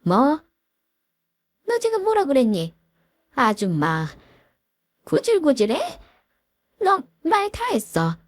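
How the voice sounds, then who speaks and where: A shrill, domineering middle-aged mother-in-law, put on by a woman reading a story aloud, snapping orders in a high, sharply swooping voice. She scolds and lectures at every turn, and the sound is close and dry. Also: sing-song, moderate pace, mellow, no echo. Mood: outraged.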